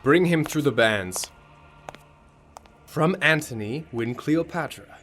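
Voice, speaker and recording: A man playing a cold, calculating young Roman ruler in a Shakespearean audio drama, speaking in a measured, commanding way. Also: fairly high pitch, lively intonation, a bit bright, exaggerated voice. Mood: scheming, commanding. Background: music.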